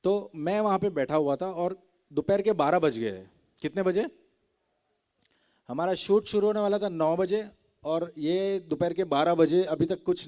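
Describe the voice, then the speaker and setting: Man sharing his testimony with a youth crowd, slightly high voice but soft and mellow, keeps asking "right?" as he goes. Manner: chatty storytelling, constantly checking in with "right?". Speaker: guest speaker sharing a testimony.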